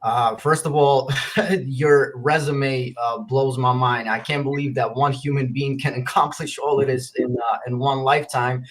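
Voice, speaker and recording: A mid-pitched man from Western Ukraine, raised in New York, hosts the conversation. He speaks earnestly and heaps praise on his guest before putting a question to him. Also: steady tone, a little slow, a little hiss or hum, low-quality recording. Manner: earnest, effusive compliments. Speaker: interview host. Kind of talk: casual interview talk.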